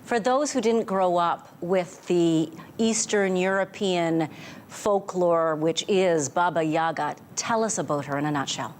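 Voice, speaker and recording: A woman's voice: fairly low pitch, unhurried, a little hiss or hum. A woman over fifty interviewing in a conversational, plain-spoken way for a broadcast news programme.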